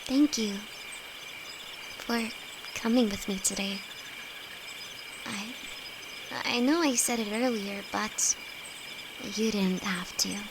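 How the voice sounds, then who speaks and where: A woman playing a timid, affectionate young apprentice alchemist in an intimate fantasy audio roleplay, speaking hesitantly to her best friend. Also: mid-range voice. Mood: grateful, shy. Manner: hesitant, halting, soft-hearted. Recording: noisy, with night insects behind. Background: crickets and night forest ambience.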